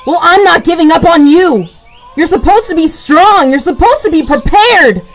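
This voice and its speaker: High-voiced defiant boy sidekick. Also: animated, moderate pace. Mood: desperate pleading. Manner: intense, earnest. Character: defiant young boy superhero sidekick, brave, pleading. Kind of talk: earnest superhero radio drama acting.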